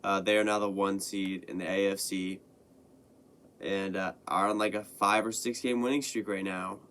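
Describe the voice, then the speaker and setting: A young man with a lowish voice hosts a casual sports talk show. He sounds slightly hoarse from a recent illness. He rambles loosely, restarting sentences and leaning on filler words. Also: level tone, normal speed, a bit bright. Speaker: podcast host. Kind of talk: casual sports commentary monologue.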